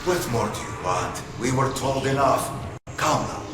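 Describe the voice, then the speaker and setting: An actor playing a proud, glory-hungry Soviet soldier in a video game, persuasive, with a Russian accent. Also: male voice, medium pitch, unhurried, close to an everyday voice. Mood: zealous, goading. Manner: persuasive, animated. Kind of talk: dramatic video game acting. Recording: echoey, loud background noise.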